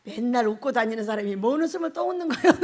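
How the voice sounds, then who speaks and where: A middle-aged woman pastor preaching a sermon in an animated way, laughing often and putting questions to the congregation. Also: fairly high pitch, very fast.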